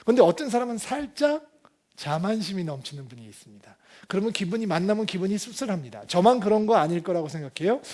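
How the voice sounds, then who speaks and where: A man's voice: high-pitched, a little mellow. A male pastor preaching a sermon, asking the congregation pointed rhetorical questions with emphatic delivery.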